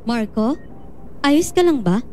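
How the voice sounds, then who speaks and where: An actress playing a gentle, reassuring woman doctor in a Filipino audio drama, speaking patiently and supportively. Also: on the high side, expressive, slow, soft background music. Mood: concerned.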